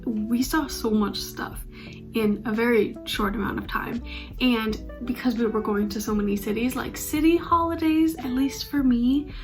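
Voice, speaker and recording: Young canadian woman vlogging, kinda high voice, chatty and upbeat, faint music under it. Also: normal speed. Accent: Canadian English. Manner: chatty, upbeat, laughs easily. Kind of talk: casual travel vlog chat.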